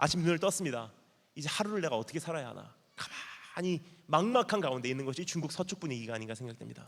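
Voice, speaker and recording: Very fast and with lively intonation, a man talks at a fairly high pitch. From grew up in Korea until age 9, then the US. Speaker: missionary preacher. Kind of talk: sermon. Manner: halting, stammers.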